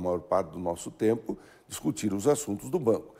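Against a quiet background, a man with a dark, mellow tone talks at a fairly quick pace with lively intonation. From Paraná, Brazil. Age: 60s. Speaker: bank president and former state governor; politician. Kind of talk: TV interview. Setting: TV studio. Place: studio.

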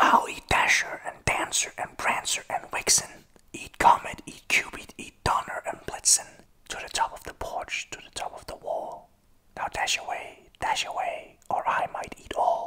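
A put-on character voice, raspy, with a calm, soothing tone. It moves at a moderate pace. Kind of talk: ASMR bedtime story reading. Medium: read story. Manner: soft, calm, soothing.

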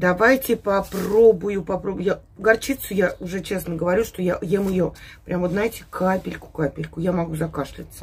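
Over light background noise, a woman with vocal fry speaks at a moderate pace with lively intonation. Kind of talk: casual vlog chat. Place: home room. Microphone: camera far.

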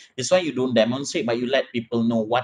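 This man speaks in a Malaysian accent with ordinary pitch variation. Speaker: university lecturer. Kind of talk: lecture. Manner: halting. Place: home room.

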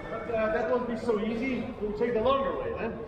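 Noticeable background noise is present. Through it, a man speaks at a moderate pace. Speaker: cave tour guide. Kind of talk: guided tour talk. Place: tunnel cave.

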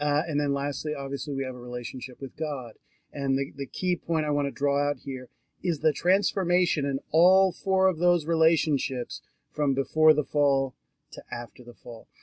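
In a dry recording with no echo and a quiet background, a man speaks at a moderate pace with ordinary pitch variation. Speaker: bible teacher. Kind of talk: lecture. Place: home room. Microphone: webcam.

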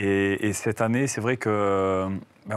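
A man's fairly low voice in a monotone, flat intonation, with a dry sound and no echo. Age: 30s. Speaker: professional footballer; guest. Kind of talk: interview. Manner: halting. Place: studio. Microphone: lapel.

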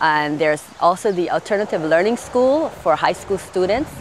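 Over noticeable background noise, a woman speaks at a moderate pace with a fairly low pitch. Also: dry sound with no echo. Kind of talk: interview answer. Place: open country. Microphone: lapel.

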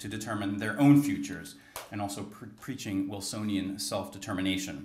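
Audible room echo surrounds a man's voice. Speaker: institute director. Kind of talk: formal introduction. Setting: stage with audience. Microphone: podium.

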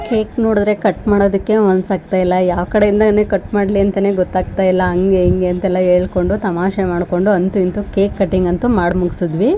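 Over music in the background, a woman talks with monotone, flat intonation at a very even loudness. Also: medium pitch for a woman. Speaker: family vlogger. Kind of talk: vlog voice-over narration. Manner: softer in voice-over; loud when speaking directly.

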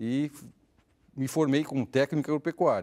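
Over a quiet background, a man talks at a fairly quick pace. His tone is dark and mellow. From São Paulo, Brazil. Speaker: entrepreneur; interview guest. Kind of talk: interview. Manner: halting. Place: studio. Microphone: lapel.

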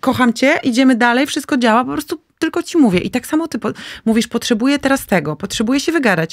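Over a quiet background, a woman speaks at a very fast pace in a high pitch with lively intonation. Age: 40s. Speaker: style mentor and educator; educator. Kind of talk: casual chat. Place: studio. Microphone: studio mic.

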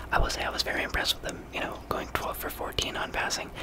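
Soft-spoken, a man talks at a fairly quick pace through loud background noise. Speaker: sports commentator. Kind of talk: commentary. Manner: soft, close-mic ASMR speaking. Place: home room. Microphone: studio mic.

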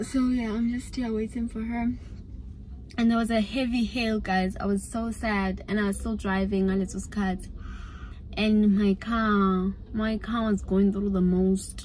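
Over light background noise in a dry sound with no echo, a woman talks at a fairly slow pace, somewhat breathy and monotone, her intonation flat. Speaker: vlogger. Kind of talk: casual vlog chat. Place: car. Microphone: phone near.

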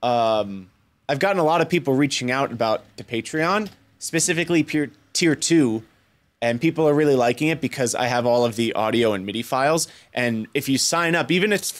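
A man talks at a fairly quick pace, his intonation lively. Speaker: music streamer. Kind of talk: casual live stream chat. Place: studio. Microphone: studio mic.

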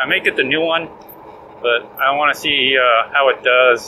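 Ordinary pitch variation marks this man's speech, heard over light background noise. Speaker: ebike vlogger. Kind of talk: casual vlog chat. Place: bicycle. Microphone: phone near.

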